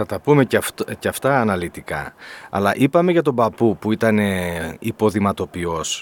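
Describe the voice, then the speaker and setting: A man's fairly low voice with very wide pitch swings, at a moderate pace, in a dry, close sound without echo. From Athens, Greece. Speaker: radio host. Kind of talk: interview.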